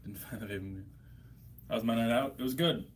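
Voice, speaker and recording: A man's voice: mid-range voice, fast talker, slight background noise. An American man, hungover, chatting casually and profanely on a livestream as he answers his viewers. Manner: profane, blunt, slangy. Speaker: livestream host.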